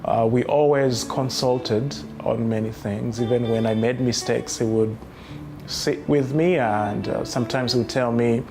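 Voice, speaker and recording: A man in his thirties from Rwanda, recounting his life story in a reflective, unhurried way with many fillers. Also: mid-range voice, fairly even intonation. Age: 30s. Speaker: memoir writer telling his life story. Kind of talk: personal testimony. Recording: music playing underneath.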